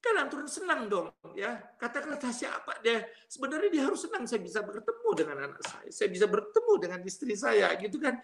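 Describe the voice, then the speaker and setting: A man's voice: extremely high pitch, sing-song, brisk, vocal fry, hardly any pauses, echoey room, slight background noise. A man giving an earnest, emotional testimony sermon to a congregation, often turning to address his listeners directly. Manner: emotional, voice swinging between hushed and raised. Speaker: preacher giving a conversion testimony.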